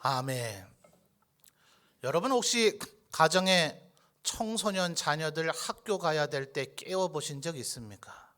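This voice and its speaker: A man's voice: a little high, animated, measured pace, fairly bright tone. A male pastor preaching a Sunday sermon into a microphone in a church, emphatic and questioning the congregation. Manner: drops to a whisper for tender points. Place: church sanctuary.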